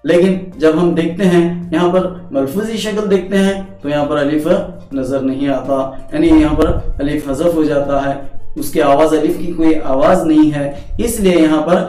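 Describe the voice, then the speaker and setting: A man's voice: on the high side, fairly even intonation, unhurried, dark tone. A man teaching a lesson, patiently restating each point so it sinks in. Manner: patient, repeats each point to drive it home. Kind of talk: explanatory lesson on poetic meter. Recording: echoey room, distant mic, faint music.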